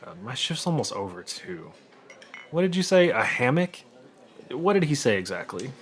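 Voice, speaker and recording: A man's voice: mid-range voice, sing-song, normal speed, close to an everyday voice. A man playing a young city guard in a comic fantasy skit, hesitant, weary and mock-dramatic. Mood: alarmed, earnest.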